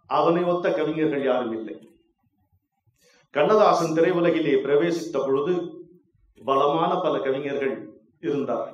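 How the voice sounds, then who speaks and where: A man giving a formal, oratorical stage speech at an event, emphatic and swelling to loud passages. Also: a little high, muffled recording. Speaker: speaker at an inauguration event. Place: event hall. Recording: echoey hall, voice far from mic.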